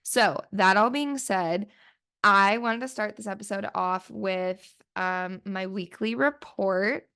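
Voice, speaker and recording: A woman's voice: medium pitch, takes it slowly, bright, forceful tone, clean tone. A woman hosting a solo podcast in casual, rambling chat full of fillers, sniffly and with her voice still recovering from flu. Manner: chatty, rambling, lots of "like" fillers. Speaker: podcast host.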